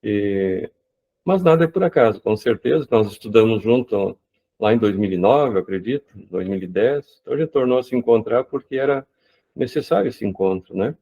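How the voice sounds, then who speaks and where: A man's voice: lowish voice, lively intonation, moderate pace. A man leading a casual group discussion over a video call, talking conversationally with frequent tag questions. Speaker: study group leader. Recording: tinny phone-like line.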